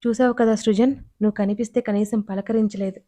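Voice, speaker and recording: A middle-aged father speaks in a measured, approving way, read by a woman storyteller. The tone is mellow and even, recorded dry and close. It is a character in an audio story. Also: medium pitch, no room sound, natural voice.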